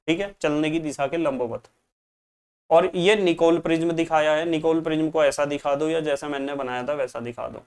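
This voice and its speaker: A man's voice: a little high, clean tone. A man teaching a chemistry lesson, patiently repeating each key term for his students. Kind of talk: classroom lecture.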